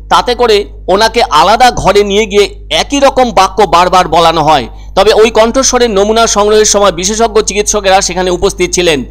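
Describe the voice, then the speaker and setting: Male news narrator, notably high voice, scripted report delivery.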